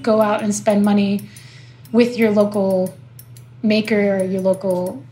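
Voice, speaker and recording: A woman from Israel whose first language is Hebrew, speaking in an earnest, reflective way with pauses as an artist and community organizer. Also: medium pitch, little pitch movement, mellow, a little hiss or hum. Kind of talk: interview soundbite.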